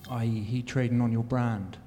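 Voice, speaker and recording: Polite mellow-voiced man in the audience. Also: medium pitch, fairly even intonation, normal speed. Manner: polite, formal, with fillers. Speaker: audience member. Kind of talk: question from the floor. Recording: reverberant hall with faint noise.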